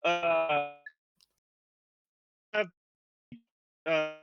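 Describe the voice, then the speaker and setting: A man playing a tabletop game over an online call, his voice choppy and breaking up, halting as he searches for words. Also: fairly high pitch, flat delivery, vocal fry. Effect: choppy, breaking-up online call audio. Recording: dull, distant voice over a weak internet call.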